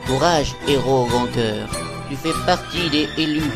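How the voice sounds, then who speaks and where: A man's voice: mid-range voice, a little slow. A man narrating an anime parody as a theatrical, epic storyteller. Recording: amateur recording under loud music. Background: loud music.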